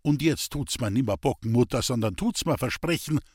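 A man's voice: mid-range voice, animated, a little fast, breathy edge, no echo, studio quality. A man doing a coaxing Bavarian village priest. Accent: Bavarian dialect. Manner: coaxing, earnest.

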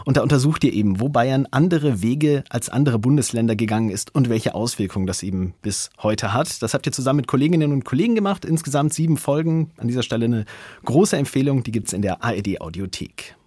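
A man's voice: mid-range voice, quick pace, darkish tone, husky, no echo. A man hosting a radio talk show from a studio, introducing guests in an upbeat way. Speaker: host.

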